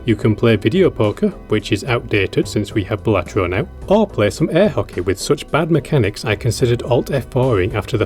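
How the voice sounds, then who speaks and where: A man with a fairly low voice delivers scripted video essay narration. His critique is scathing, with dry, sardonic humour. Light music plays behind him. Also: a little mellow. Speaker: game reviewer. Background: background music.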